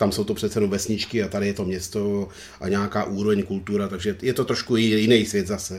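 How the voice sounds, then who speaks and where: The speech races at a very fast pace in a monotone, flat intonation. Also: man, fairly low pitch for a man. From eastern Bohemia, Czech Republic. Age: 60s. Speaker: tourist. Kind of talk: interview.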